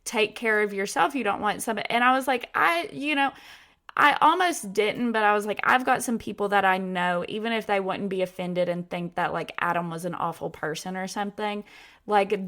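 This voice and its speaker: A woman's voice: medium pitch, normal speed, a bit bright. A young woman hosting a podcast, talking casually with many filler words. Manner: chatty, lots of "like" fillers. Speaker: podcast host.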